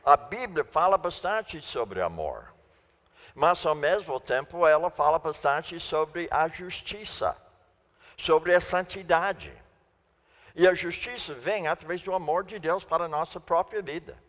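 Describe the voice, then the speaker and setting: A man's voice: a little high, expressive, measured pace, a bit bright. A man preaching a sermon in Portuguese, which is not his first language, stressing and repeating key phrases. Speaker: guest preacher. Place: church sanctuary. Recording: long church reverb.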